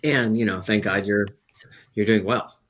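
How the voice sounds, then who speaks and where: Low-voiced guy hosting a podcast, casual encouraging questions. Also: steady tone, measured pace, a bit bright. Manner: encouraging, loosely phrased questions. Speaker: podcast host. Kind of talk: casual interview.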